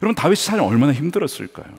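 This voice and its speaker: A man preaching a sermon as pastor, with dramatic swings from hushed storytelling to loud emphatic calls. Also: a little high, very animated, rapid-fire, husky, long reverb tail. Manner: acts out quoted taunts in a raised voice.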